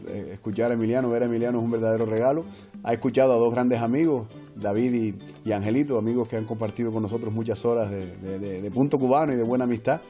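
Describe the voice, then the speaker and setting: A man with a Canarian Spanish accent talks quickly in a mellow, relaxed tone. He is a guest on a video call, with faint music behind him. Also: medium pitch. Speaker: guest folk poet. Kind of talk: conversational interview by video link. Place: home room with books and drum. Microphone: earphone mic on video call.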